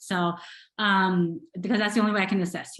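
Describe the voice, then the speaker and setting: A woman's medium-pitched voice over a quiet background. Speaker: history teacher. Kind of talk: panel discussion. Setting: online video conference. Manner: quiet, introverted.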